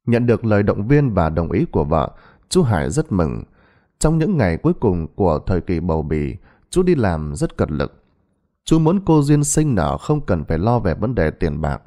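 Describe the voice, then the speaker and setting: A man telling a village tale in a low, mellow voice. His narration is expressive and animated, with pitch that moves freely from phrase to phrase. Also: moderate pace. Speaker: ghost story narrator. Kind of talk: storytelling narration.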